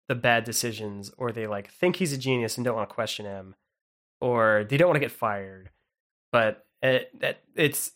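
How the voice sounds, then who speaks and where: A man co-hosting a podcast, chatting casually in a rambling, halting way with lots of "like". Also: medium pitch, a bit bright. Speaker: podcast co-host. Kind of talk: casual chat.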